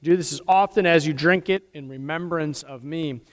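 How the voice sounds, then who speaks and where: American guy pastor praying formally at a service, kinda high voice, big echoey hall reverb. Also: moderate pace. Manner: solemn, formal recitation. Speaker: pastor leading worship. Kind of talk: liturgical prayer, congregational service. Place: large church interior during a service.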